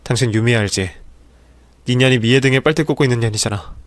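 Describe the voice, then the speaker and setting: A man's voice: medium pitch, quick pace, dry recording, lightly acted. A man playing an angry grown son who hurls accusations in a dramatized story reading. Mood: accusing. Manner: accusing, shouting insults. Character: furious grown son confronting his birth mother.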